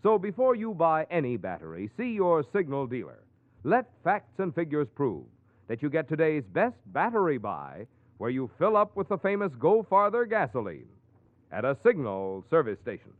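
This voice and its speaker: Casting: male announcer for vintage radio commercial, emphatic, lively intonation, dry thin sound. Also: normal speed, no echo. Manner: emphatic question-and-answer pitch. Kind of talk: 1940s radio ad read. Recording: tinny, dry old radio recording.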